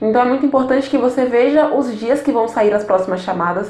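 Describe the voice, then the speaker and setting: Fairly quick speech with ordinary pitch variation, audible room echo and noticeable background noise. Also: woman. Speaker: education YouTuber. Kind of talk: tutorial.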